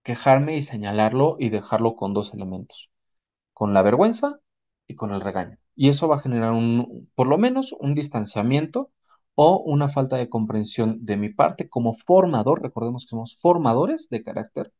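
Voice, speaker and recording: A man's voice: medium pitch, big pitch swings, moderate pace, warm tone, lo-fi sound. A man with a Mexican accent giving an explanatory talk as a psychotherapist, in a didactic manner, often checking in with short rhetorical questions. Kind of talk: explanatory talk with acted examples.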